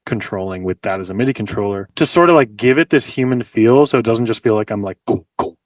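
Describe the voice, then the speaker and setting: A man's voice: on the low side, quick pace, no echo. A man from the US, a guest musician talking casually over a video call and filling his sentences with "like". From Los Angeles, United States. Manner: chatty, leans heavily on "like" fillers. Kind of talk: casual interview chat. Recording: dry, slightly distant mic.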